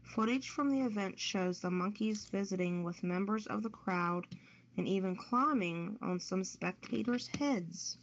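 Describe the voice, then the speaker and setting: Slow-paced woman on muffled audio. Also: mid-range voice. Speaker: co-host presenting stories. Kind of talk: reading light news on a casual show. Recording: dull audio with faint background noise.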